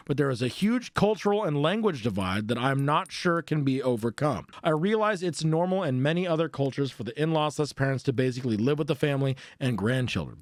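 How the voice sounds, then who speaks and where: A man's voice: medium pitch, dry recording, clean studio sound. A man streaming, reading forum posts aloud and breaking off to react, swear and laugh.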